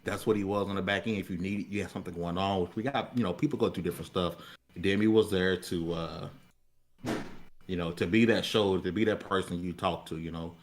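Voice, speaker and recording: A man's voice: sits low, fairly even intonation, a little fast, a little hiss or hum. An American man hosting a podcast in casual, unscripted, colloquial talk, often repeating words as he searches for phrasing. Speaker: podcast host.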